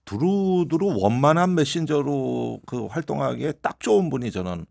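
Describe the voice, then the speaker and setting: A man giving political commentary on a talk show, in an animated, drawn-out analytical way. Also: mid-range voice, creaky.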